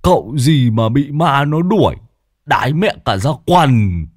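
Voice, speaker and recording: Man doing a shrill, rowdy old joker. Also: a little slow, no echo, clean studio sound. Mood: taunting. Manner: shrill, taunting, excitable.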